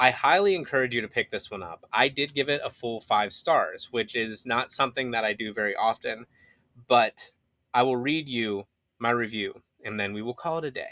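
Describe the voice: The man's tone is bright and sharp. He speaks at a moderate pace in a medium pitch with ordinary pitch variation.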